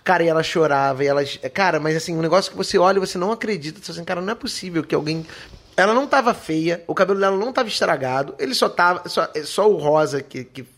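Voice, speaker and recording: A man's voice: on the high side, rapid-fire, fairly bright tone. A man from Rio de co-hosting a casual podcast with his partner, laid-back and teasing. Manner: laid-back, says "cara" a lot, teasing. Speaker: podcast co-host. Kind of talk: casual couple chat.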